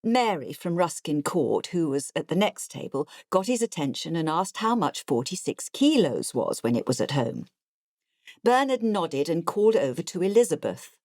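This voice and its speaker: A woman's voice: low voice, very animated, moderate pace, darkish tone, dry recording, studio quality. A woman voicing an artless, chatty retired nurse in her later years, narrating an audiobook in an English accent, confiding and matter-of-fact as she digresses. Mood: confiding, digressive. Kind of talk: audiobook first-person narration.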